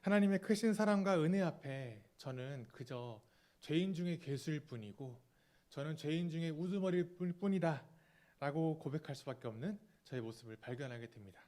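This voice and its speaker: A man in his thirties preaching a sermon as pastor, earnest and confessional, often trailing off softly, with small fillers and restarts. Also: a little high, lively intonation, moderate pace. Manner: fillers and self-corrections.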